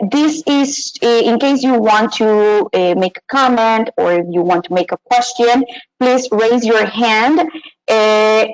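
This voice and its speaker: A young woman from Mexico presenting a live online teaching webinar from a small room, hesitant with many fillers and restarts. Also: medium pitch. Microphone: webcam and computer mic. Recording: dull lo-fi webinar audio.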